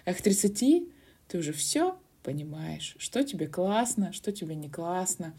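A young woman near thirty co-hosting a podcast, agreeing warmly and telling reflective stories from her own life. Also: fairly low pitch, expressive, normal speed, breathy edge. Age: 20s. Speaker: podcast co-host. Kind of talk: casual podcast chat.

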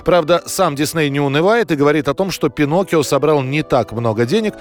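A man's voice: a little high, brisk. A man presenting a history programme, reading scripted documentary narration. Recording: music under the voice. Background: background music.

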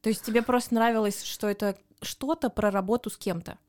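A woman's voice: fairly high pitch, fairly even intonation, fairly quick, a little mellow, no room sound, studio quality. A young woman co-hosting a podcast, asking curious follow-up questions in a casual chat. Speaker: podcast co-host.

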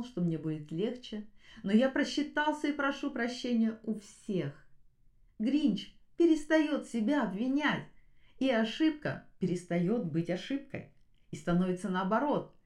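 A woman's voice: mid-range voice, reverberant. A woman giving motivational commentary as a podcast host, speaking earnestly and emphatically and addressing her listeners directly.

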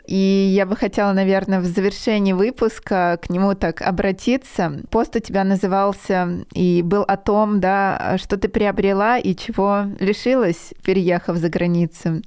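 Female podcast host; smooth, resonant, reflective conversational read. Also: mid-range voice, a little mellow. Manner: candid, reflective, with light laughter. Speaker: podcast host and English teacher.

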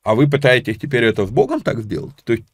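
A man's voice: medium pitch, big pitch swings, fast, no echo, clean studio sound. A man hosting a live-stream Bible study, talking conversationally with many fillers and restarts. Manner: grows emphatic while expounding scripture. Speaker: Bible teacher.

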